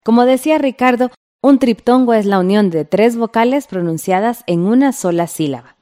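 A woman teaching a radio class, reading a scripted lesson in a slow, patient way and drawing out the example words. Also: fairly high pitch, animated, mellow.

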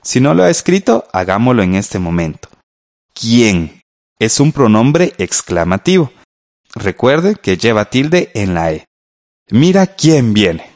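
A man with a low voice teaches on a radio program. His pitch rises and falls in wide swings as he explains, patient and direct with the listener. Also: big pitch swings, unhurried, darkish tone. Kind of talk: scripted radio lesson.

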